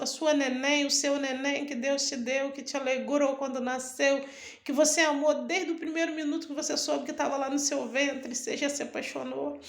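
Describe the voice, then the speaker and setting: High-voiced woman giving a church testimony. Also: creaky, reverberant. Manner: warm, preacherly, with prayer phrases. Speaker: mother sharing a testimony. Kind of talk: casual spoken testimony.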